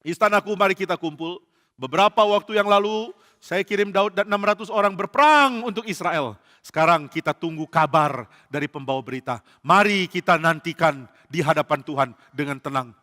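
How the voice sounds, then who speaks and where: A man's voice: high-pitched, a little fast, pushed and bright. A male pastor voicing a scheming, jealous King Saul in a sermon story, sly and whiny by turns. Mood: smooth. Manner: shifts from sly sweetness to whiny spite. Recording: church hall reverb.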